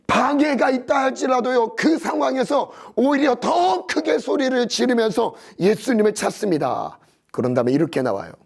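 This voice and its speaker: Male pastor, sermon delivery; high, lively pitch, gravelly texture. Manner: animated preaching with scripture reading, pitch swinging high and low.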